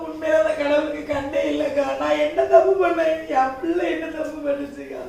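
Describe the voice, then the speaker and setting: A woman's voice: high-pitched, steady tone, a little fast, creaky, mellow. A woman playing a sorrowful, devoted mother in an amateur drama, with a southern Tamil Nadu accent, speaking in tearful laments and tender baby talk. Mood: tearful despair. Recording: echoey room, distant mic, faint noise.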